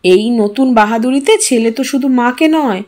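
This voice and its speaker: A woman's voice: on the high side, moderate pace, a little mellow. A woman reading a literary short story aloud as a scripted audio narration.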